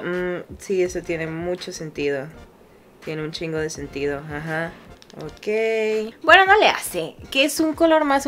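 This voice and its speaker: A young woman with a Mexican accent chatting casually through a makeup tutorial, self-mocking and swearing freely. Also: lowish voice. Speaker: beauty vlogger.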